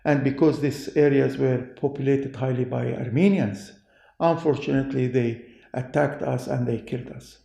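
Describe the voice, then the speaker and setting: A man with a Middle Eastern accent, a non-native English speaker, answering interview questions as a pastor and doctor in halting, deliberate phrases. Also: mid-range voice, fairly even intonation, gravelly, mellow. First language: not English. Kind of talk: interview answers, personal testimony. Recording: echoey room.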